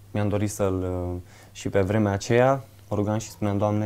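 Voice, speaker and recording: Fairly low in pitch, the man speaks at a fairly quick pace with a dark, mellow tone. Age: 20s. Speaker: nurse; guest. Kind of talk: testimony. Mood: reflective, earnest testimony. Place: studio.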